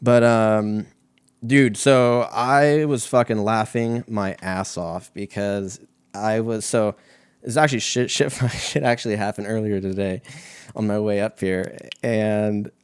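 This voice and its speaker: A man's voice: lowish voice, steady tone, slow pace, smooth, no room sound. A young American man hosting a comedic monologue, telling stories in a rambling, profane, slangy way. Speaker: host of a comedic talk show.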